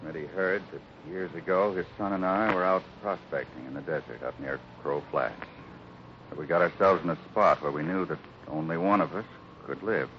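A man playing a grave, stoic cowboy foreman, speaking with solemn, measured resignation in an old-time radio western. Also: low-pitched, a little hiss or hum. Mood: grave resigned. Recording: dull old radio recording with music.

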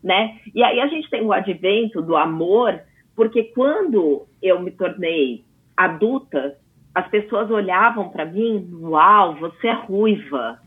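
A Brazilian woman in her forties, a guest in an interview, chatting in a lively way with many asides. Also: mid-range voice, takes it slowly, slightly rough. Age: 40s. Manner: chatty, animated storyteller with frequent asides. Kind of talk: casual interview talk. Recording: tinny phone-like line.

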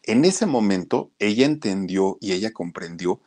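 A man's voice: on the low side, expressive, normal speed, a little mellow. A man telling a moralizing story, chatting directly to his listeners.

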